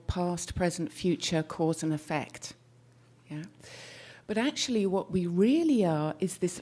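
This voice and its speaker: A soft-spoken woman, a therapist, presenting a talk to an audience through a microphone. She speaks thoughtfully and sometimes restarts as she searches for words. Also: fairly low pitch. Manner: soft-spoken, leans in to the mic.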